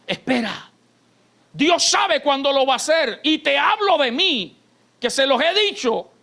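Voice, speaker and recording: A male pastor with a Colombian Caribbean Spanish accent preaches an impassioned sermon in a church, swinging between hushed and shouted lines. His voice is extremely high-pitched and animated, yet his delivery is unhurried.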